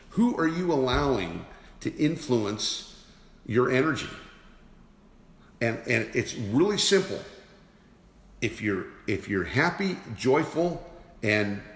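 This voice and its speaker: A man giving a motivational teaching talk as an energy awareness teacher, emphatic and repeating rhetorical questions. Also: mid-range voice. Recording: roomy with long reverb.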